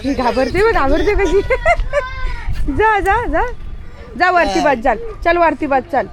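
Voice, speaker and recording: High-voiced woman chatting to her dogs. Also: animated, unhurried. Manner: chatty, coaxing and scolding dogs. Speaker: vlogger with pet dogs. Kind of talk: casual talk to pets and neighbors.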